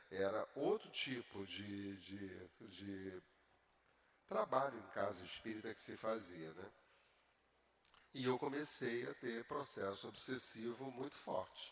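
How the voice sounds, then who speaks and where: A man with a medium pitch speaks at a very slow pace, with ordinary pitch variation. He leaves long, frequent pauses. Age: 70s. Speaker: spiritist lecturer. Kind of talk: lecture.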